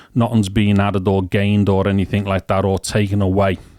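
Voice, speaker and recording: Recorded very cleanly against a silent background, a man with a fairly low pitch speaks at a moderate pace, the sound dry and close with no echo. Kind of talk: casual talk to camera. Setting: studio, close microphone. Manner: measured, close-miked.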